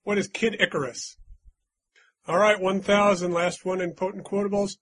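A man's voice: sits high, level tone, normal speed, a bit bright, no echo. Playful man hosting a podcast quiz. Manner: playful, teasing, hums little doot-doot jingles. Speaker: quiz host. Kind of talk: casual podcast quiz reading.

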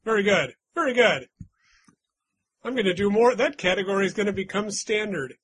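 A slightly higher, husky male voice runs a trivia game for friends. He reads clues aloud and teases the contestants in a loose, chatty way. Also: a little fast, a bit bright. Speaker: quiz host. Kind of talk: casual game-show chat with friends.

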